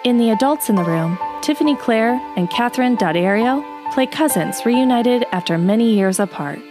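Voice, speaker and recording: A woman's voice: fairly high pitch, expressive, moderate pace, over music. A woman presenting a podcast, reading a scripted introduction in a formal announcing manner.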